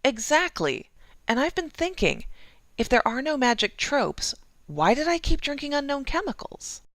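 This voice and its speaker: A woman's voice: sits high, sing-song, normal speed, fairly bright tone, no room sound, full character voice. A woman playing an earnest, naive, quirky young woman in an audio drama. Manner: earnest, declarative.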